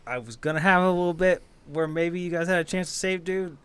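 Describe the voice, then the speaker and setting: A man narrating a tabletop game as game master, in a halting, conversational way. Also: sits high, a bit bright, smooth. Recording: music behind the voice. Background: background music.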